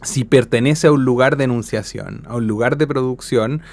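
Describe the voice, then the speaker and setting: A man's voice: medium pitch, normal speed, vocal fry, darkish tone. A man with a Chilean accent, a guest musician explaining his thoughts conversationally in a radio interview.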